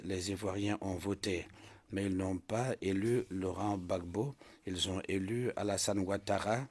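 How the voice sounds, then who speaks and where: Man, fairly deep voice, courtroom witness, insistent, repeats himself. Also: a little mellow. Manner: insistent, repeats his answers. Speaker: trial witness. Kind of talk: courtroom testimony.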